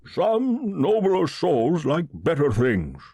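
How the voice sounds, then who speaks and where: A man voicing a pompous, pious old millionaire with a solemn, slow drawl in an audiobook story. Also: on the high side, wildly swooping pitch, warm tone, husky, no echo, pitched above the performer's own voice, heavily acted. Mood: solemn, determined. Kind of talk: audiobook character voice.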